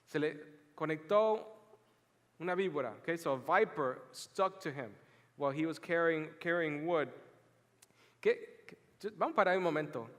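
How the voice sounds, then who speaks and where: Animated high-voiced preacher in a reverberant hall. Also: male voice, a little slow. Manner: animated, joking, storytelling. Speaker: pastor. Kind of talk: bilingual sermon with scripture reading. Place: church sanctuary. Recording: long reverb of a large hall.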